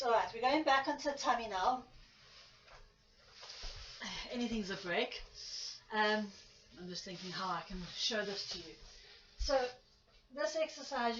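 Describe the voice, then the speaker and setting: A woman's voice: a little high, fairly bright tone. A woman instructing an exercise class in short step-by-step cues and counts, with informal asides, audibly exerting herself as she demonstrates. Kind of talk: spoken workout instruction with counting. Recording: echoey room, distant mic, muffled, faint noise.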